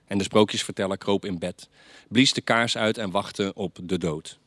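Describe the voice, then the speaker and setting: A man reading stories aloud at a reading night, measured, chatting lightly between pieces. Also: on the low side, fairly bright tone, dry recording.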